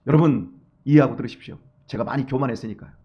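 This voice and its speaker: A middle-aged male pastor giving an early-morning sermon, speaking straight to his congregation with many rhetorical questions, dropping to quiet asides and rising to loud urging. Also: mid-range voice, very fast, slightly rough, dull audio. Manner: emphatic, swings from hushed asides to loud exhortation.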